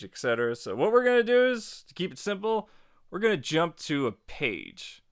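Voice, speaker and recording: A man hosting a software tutorial, narrating casually in a playful, chatty, wry way. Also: mid-range voice, clean tone, no echo, studio quality. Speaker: tutorial host.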